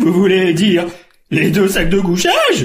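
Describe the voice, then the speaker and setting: Using a put-on character voice, a man speaks at a high pitch with fairly even intonation. Audible echo surrounds the voice. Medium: read story. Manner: dry, matter-of-fact.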